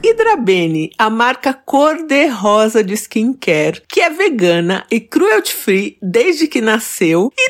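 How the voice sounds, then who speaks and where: Fairly high-pitched and animated, a woman speaks at a fairly slow pace with very wide pitch swings. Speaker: podcast host and storyteller. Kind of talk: sponsored ad read; storytelling.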